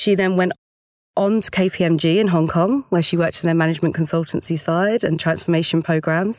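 A woman with an ordinary speaking voice, fairly low pitch, fairly even intonation and very even loudness at a fairly quick pace, on a very clean recording with a silent background. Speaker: career coach and podcast host. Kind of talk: interview.

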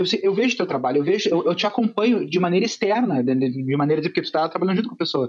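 A man at a very fast pace, with very wide pitch swings. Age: 30s. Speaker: business administrator. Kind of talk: casual chat.

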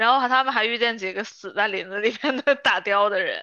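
Here is a woman with a normal speaking voice. Her pitch is fairly high and her intonation fairly even. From northern China. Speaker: podcast host. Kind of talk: casual chat.

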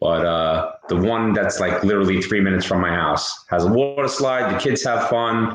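A man with a strong New York accent speaks at a medium pitch and a moderate pace, with hardly any pauses. His pitch variation is ordinary and his loudness very even. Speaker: retired police detective. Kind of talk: casual chat. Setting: live video call.

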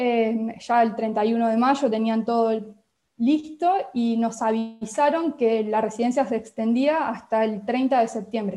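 This woman's voice has a dark, mellow tone and fairly high pitch, with ordinary pitch variation and a very slow pace. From Argentina, Buenos Aires province. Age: 30s. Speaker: biochemist. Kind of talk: interview.

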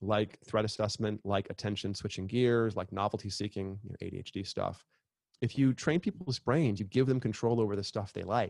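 A man with an ordinary speaking voice, ordinary pitch variation, and a dry, close sound with no echo in a very clean recording with a silent background. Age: 40s. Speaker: cognitive neuroscientist. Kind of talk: interview.

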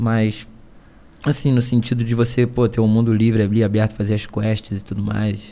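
With a Carioca accent, the voice has a dark, mellow tone and a monotone, flat intonation at a moderate pace. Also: man. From Rio de Janeiro. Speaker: battle rapper. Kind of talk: casual chat.

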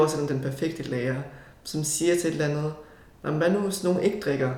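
A fairly quick pace with audible room echo. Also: man. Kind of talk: casual chat.

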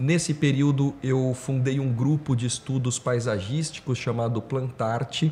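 At a fairly slow pace, a man with an unremarkable speaking voice talks at a medium pitch with ordinary pitch variation. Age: 40s. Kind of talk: interview conversation.

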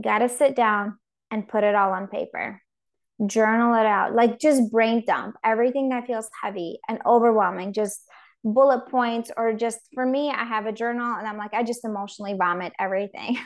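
Against a quiet background, a woman with an unremarkable speaking voice talks at a moderate pace, her fairly high pitch carrying fairly even intonation. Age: 30s. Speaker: stress coach. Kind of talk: interview.

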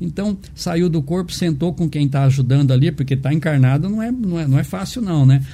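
A man's fairly high-pitched voice, an ordinary speaking voice, with ordinary pitch variation at a moderate pace. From northern Paraná, Brazil. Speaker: doctor. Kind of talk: interview. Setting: live stream.

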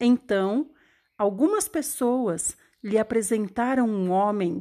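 Against a quiet background, a woman with a fairly high pitch speaks at a very slow pace. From Brazil, São Paulo state. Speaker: Bible study podcaster. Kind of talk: devotional Bible reading and teaching.

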